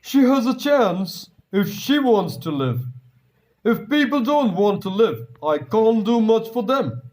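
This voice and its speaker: A grave, busy storybook doctor, acted out by a male narrator, blunt and brusque. The voice is pitched high and pushed with emphasis, and the words come slowly, like firm pronouncements. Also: sing-song, darkish tone, exaggerated voice, rough recording.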